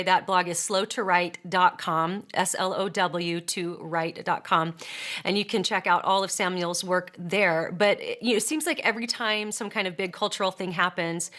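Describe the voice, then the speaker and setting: A woman hosting a podcast interview, introducing her guest in a warm, complimentary and clear way. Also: fairly low pitch. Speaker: host.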